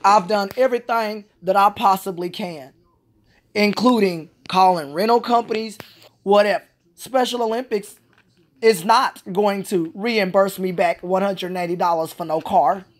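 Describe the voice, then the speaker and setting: A woman's voice: medium pitch, moderate pace. A woman talks straight to her camera in a vlog, letting off steam. Her delivery is frustrated and repetitive, and she swears freely as she circles back over the same complaints. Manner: frustrated, repetitive, profane ranting. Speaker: Special Olympics athlete. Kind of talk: venting vlog monologue.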